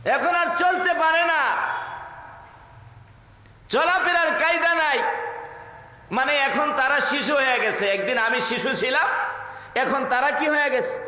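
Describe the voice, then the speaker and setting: Preacher, very high and piercing, chants verses, booming through a reverberant PA. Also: male voice. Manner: fervent, chants verses in a sung tone, fires rhetorical questions at the crowd. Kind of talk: sermon at an open-air religious gathering. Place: outdoor gathering under a marquee. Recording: echoey loudspeaker sound with long reverb.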